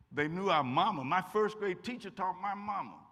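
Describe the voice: At a moderate pace, a man speaks in a high pitch with a bright, sharp tone and lively intonation.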